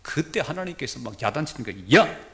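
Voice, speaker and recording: A man's voice: medium pitch, fairly quick. Middle-aged pastor guy preaching, voice swings way up and down, keeps asking the congregation stuff. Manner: animated preaching, acts out God's and Job's words; direct address to the congregation, rhetorical questions. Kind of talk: sermon.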